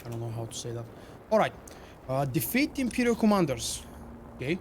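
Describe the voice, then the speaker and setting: A man's voice: medium pitch, sing-song, brisk, a little hiss or hum. Man with a heavy Bulgarian accent. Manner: casual, chatty, self-deprecating. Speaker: game streamer. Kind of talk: live gameplay commentary. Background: game music.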